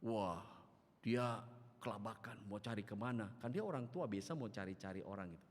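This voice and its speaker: A man preaching a sermon as pastor, telling stories in an animated way and acting out the characters. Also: on the low side, moderate pace. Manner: animated storytelling, acts out characters. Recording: reverberant church hall.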